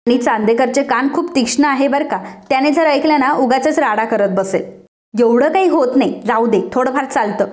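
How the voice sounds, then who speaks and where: A woman's voice: high voice, normal speed, darkish tone, natural voice. A woman voicing a playful young wife, teasing and coaxing, in a serial recap.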